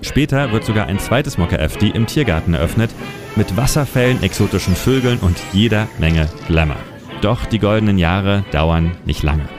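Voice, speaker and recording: A man reading a scripted history feature in a measured storytelling manner. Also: fairly low pitch, lively intonation. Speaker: narrator. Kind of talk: scripted documentary narration. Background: music.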